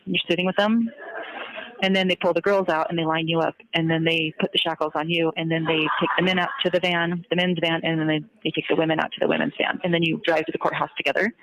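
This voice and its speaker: A woman's voice: low voice, little pitch movement, fast talker, crowd noise. A woman recounting events matter-of-factly and step by step in casual conversation on a recorded jail phone call.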